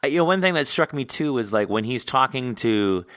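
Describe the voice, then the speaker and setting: A man's voice: mid-range voice, animated, a little fast, fairly bright tone, no room sound, studio quality. A man hosting a podcast interview in a casual, chatty style, animatedly acting out imagined reactions as he talks. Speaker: podcast host interviewing an author.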